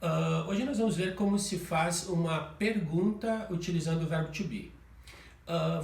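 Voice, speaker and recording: A man teaching a video language lesson, explaining grammar step by step and saying example sentences slowly and deliberately. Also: on the high side, echoey room, far from the mic. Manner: slow, deliberate model sentences between explanations. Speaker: English teacher.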